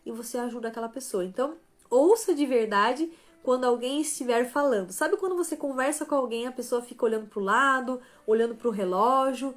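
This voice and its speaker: A woman's voice: on the high side, brisk. Woman teaching on a live stream. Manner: tags most phrases with "né?" and "tá?"; shifts between softer and stronger emphasis. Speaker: live stream host and author.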